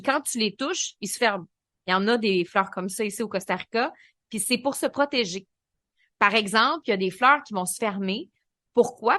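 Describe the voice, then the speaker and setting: A woman with a Québécois French accent hosting a solo podcast, coaching in a lively, colloquial way. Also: on the high side, no room sound, clean studio sound. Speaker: podcast host and business coach.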